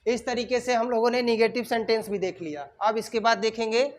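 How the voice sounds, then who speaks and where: In a classroom with a whiteboard, a male teacher gives an English grammar lesson, calling on students and dictating sentences word by word. His voice is extremely high in pitch, fairly quick, with fairly even intonation.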